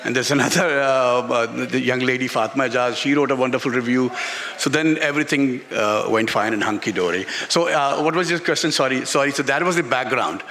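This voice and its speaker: A man's voice: mid-range voice, a little fast, fairly bright tone. A man with a Pakistani accent answering at a live book talk as an author, often stopping and repeating words and phrases for emphasis. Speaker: author and journalist being interviewed. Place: literary festival stage in a garden venue.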